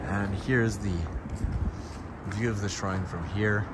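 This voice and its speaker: A man hosting a casual walking livestream outdoors, answering viewer questions in a relaxed, chatty way. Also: lowish voice, slow pace. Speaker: vlogger and livestream host. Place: outdoors on city streets. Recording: street noise behind the voice. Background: street ambience and passing vehicles.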